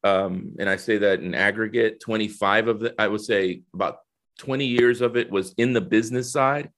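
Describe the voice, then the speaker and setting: A man's voice: fairly low pitch, normal speed, fairly bright tone. A middle-aged man from El Salvador, a guest in a conversational interview, explaining things earnestly and step by step. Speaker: guest, corporate diversity executive.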